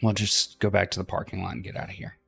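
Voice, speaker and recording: A man's voice: sits low, level tone, fast, creaky, faint music behind. A man hosting a let's play, reading visual novel narration aloud and now and then stumbling over words.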